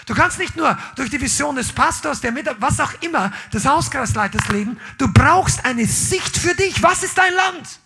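A man preaching a sermon as pastor at a church service, animated, swinging between loud calls and quiet asides, dropping in English phrases. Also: very high voice, moderate pace, few pauses, soft background music.

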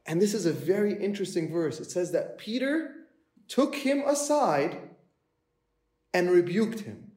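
A man delivers a sermon in a relaxed, conversational way, slipping into the voices of the people in the story he tells. His voice sits a little high for a man. The room around him has a noticeable echo. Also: measured pace. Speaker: preacher. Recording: echoey room.

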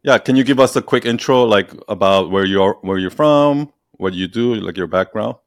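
A man's voice: lowish voice, moderate pace, no echo, studio quality. A man hosting a podcast conversation, talking loosely with lots of "like" and restarts. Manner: loose and rambling, full of "like" and restarts. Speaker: podcast host.

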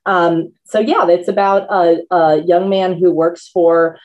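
Forty-something woman, low voice, easygoing interview guest. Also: slow pace, muffled recording. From Northern Virginia, USA. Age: 40s. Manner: relaxed, chatty, laughs often. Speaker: guest author. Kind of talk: casual interview chat.

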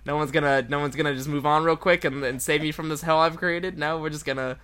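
A woman's voice: deep voice, steady tone, fast, fairly bright tone. A woman co-hosting a casual podcast, teasing the others with wry jokes. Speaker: podcast co-host. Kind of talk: casual chat.

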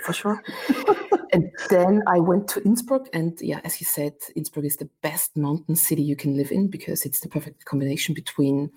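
A woman's voice: low voice, moderate pace, a little mellow, slightly rough, low-quality recording. A woman of about forty from Austria, speaking as an upbeat, chatty interview guest at home. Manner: upbeat, laughs often, chatty. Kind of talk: casual interview chat. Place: her flat at home.

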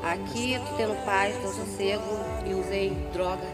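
A woman's voice: medium pitch, fairly even intonation, moderate pace. A woman in her forties giving a plain, matter-of-fact video testimony. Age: 40s. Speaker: testimony speaker. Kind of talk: recorded testimony. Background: loud music.

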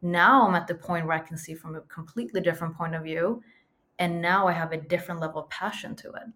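Reflective Swedish-born woman, slightly low voice. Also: steady tone, fast talker, a bit bright. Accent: Swedish, mostly American-sounding. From Sweden. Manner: earnest, reflective, emphatic repetitions. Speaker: podcaster guest. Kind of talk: conversational interview.

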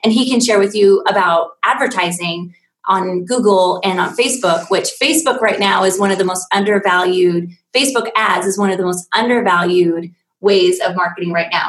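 A woman's voice: medium pitch, normal speed. Enthusiastic chatty woman, echoey room. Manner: enthusiastic, chatty, nerdy about her subject. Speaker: digital marketing agency owner. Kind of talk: casual live-stream chat.

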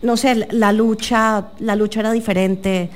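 A woman's voice: medium pitch, normal speed. A woman in her forties with a Bogotá Colombian accent, hosting a casual interview and chatting expressively. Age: 40s. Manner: expressive, chatty, laughs easily. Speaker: host.

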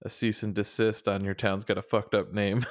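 A man's voice: fairly low pitch, flat delivery, moderate pace, no room sound, clean studio sound. A man from Massachusetts co-hosting a podcast, bantering and chuckling in casual chat. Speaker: podcast co-host.

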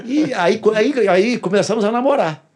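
A man's voice: high voice, expressive, normal speed, darkish tone, slightly rough. A pastor tells his personal testimony in a casual interview, earnestly repeating phrases for emphasis.

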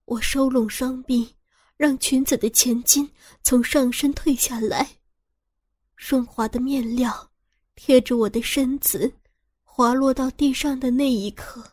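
A woman narrating a first-person audio story with a high voice. She reads slowly, in a hushed and tense way, and the recording is dry and close to the mic. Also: breathy edge, no room sound.

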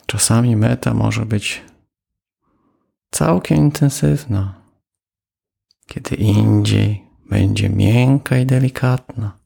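A man guiding a loving-kindness meditation, speaking calmly with long pauses. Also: on the low side, gravelly, husky. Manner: slow, calm, with long pauses. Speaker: meditation teacher. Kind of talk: guided metta meditation.

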